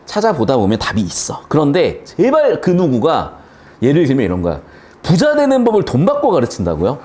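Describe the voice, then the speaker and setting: A man teaching a literature lesson for exam students, talking bluntly with slang and the odd swear word. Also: medium pitch. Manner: animated, blunt, slangy and profane. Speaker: Korean language teacher. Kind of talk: exam-prep literature lecture.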